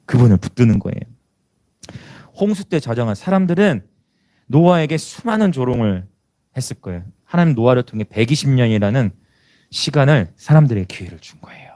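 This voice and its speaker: A man's voice: mid-range voice, animated, brisk, warm tone. A male pastor preaching a sermon in an emphatic, exhorting, conversational way.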